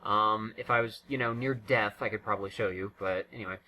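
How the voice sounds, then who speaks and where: Bright-voiced man rambling over gameplay. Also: lowish voice, steady tone, fairly quick, rough recording. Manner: rambling, self-interrupting. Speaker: gaming video creator. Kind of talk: casual unscripted game commentary.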